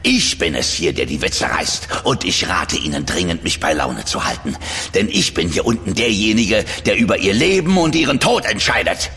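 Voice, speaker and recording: A sadistic constable who sneers and gloats over his prisoner, with a very low voice that swings widely. His lines ring with a long reverb, and loud music plays beneath them in this radio drama. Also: very animated, normal speed, exaggerated voice. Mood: gloating. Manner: mocking, threatening, gloating. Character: brutal sneering male constable, sadistic jailer. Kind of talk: radio play acting.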